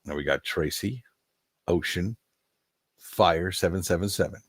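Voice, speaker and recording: A man's voice: low voice, a little slow, slightly rough, dry recording, clean studio sound. An older man hosting a casual live stream, rambling in a folksy way and reading out viewer names, a little nasal from allergies. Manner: rambling, folksy, chuckling asides.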